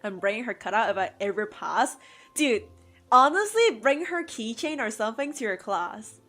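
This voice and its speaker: A woman's voice: a little high, big pitch swings, moderate pace. Chatty, laughing woman art streamer. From Hong Kong. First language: Cantonese. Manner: chatty, laughs often, rambling asides. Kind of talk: casual chat while drawing. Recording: faint music under the voice. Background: soft background music.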